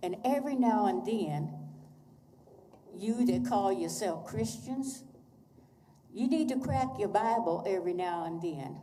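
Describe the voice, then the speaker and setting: Speaking slowly-ish with long, frequent pauses, a woman at medium pitch makes very wide pitch swings while audible room echo surrounds her. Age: 80s+. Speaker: public commenter at city council. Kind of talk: public comment speech. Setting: city council chamber.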